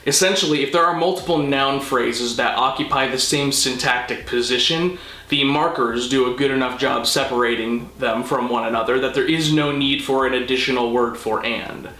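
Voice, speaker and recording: A man presents a scripted explainer with casual touches and careful, didactic emphasis. His voice is crisp-edged and bright at an average pitch. The room adds a clear echo. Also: normal speed. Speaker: host of a language explainer channel. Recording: roomy, echoing indoor sound.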